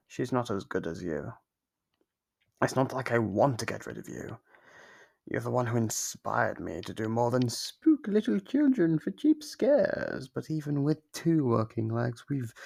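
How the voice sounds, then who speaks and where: Man voicing a gravelly, sadistic monster captor. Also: medium pitch, darkish tone, heavily acted. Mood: bored, disappointed. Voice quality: gravelly, husky. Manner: menacing, theatrical, musing aloud. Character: sadistic, playful male monster captor toying with human prey. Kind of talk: ASMR horror roleplay, monologue to listener.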